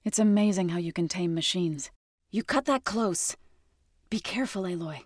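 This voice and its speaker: An actress playing an earnest, resolute tribal woman warrior and healer in a video game, speaking in measured, formal phrases. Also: fairly low pitch, no echo, clean studio sound, lightly acted. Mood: earnest, caring. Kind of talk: game character voice lines.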